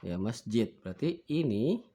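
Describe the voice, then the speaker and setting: A man leads a beginner language lesson at an unhurried, deliberate pace. He reads each word twice so learners can repeat it, and acts out forgetting a word and finding it again. His voice sits at an everyday middle pitch. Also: big pitch swings, dark tone. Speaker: Arabic teacher.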